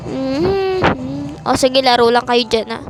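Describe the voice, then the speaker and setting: Woman, high pitch, slow pace, playful game role-play, switches characters. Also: expressive, background noise. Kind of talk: role-play voicing a whole family.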